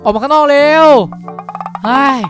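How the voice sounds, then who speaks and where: A man hosting and improvising Minecraft roleplay in an excitable, chatty way, often repeating himself. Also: very high voice, normal speed, soft background music. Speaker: YouTube gaming host and roleplay lead.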